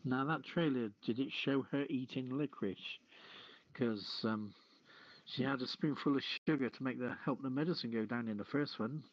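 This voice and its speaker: A man hosting a casual live show, chatting and reading items in a halting, jokey manner. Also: medium pitch, no echo. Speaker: radio show host. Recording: dull, lo-fi audio.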